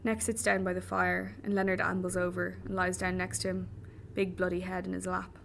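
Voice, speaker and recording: A woman's voice: lowish voice, completely flat delivery, brisk, gravelly, a little hiss or hum. A woman narrating a first-person audiobook in a wry, vivid manner. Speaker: audiobook reader.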